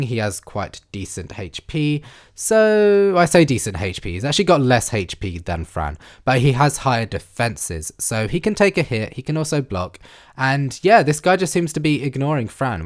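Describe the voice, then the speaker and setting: Male gaming YouTuber, congested nasal voice from a cold, lively chatty commentary. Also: medium pitch, normal speed. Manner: chatty, animated, self-narrating. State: congested, blocked nose from illness. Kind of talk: game commentary voice-over.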